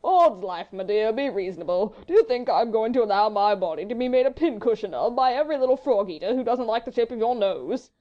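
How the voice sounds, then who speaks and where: A woman doing a loud, foppish English baronet. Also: sits high, expressive, a little fast, few pauses, dull audio. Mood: bantering. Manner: loud, blustering, affected aristocratic drawl. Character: foppish, drawling English baronet, lazily jovial.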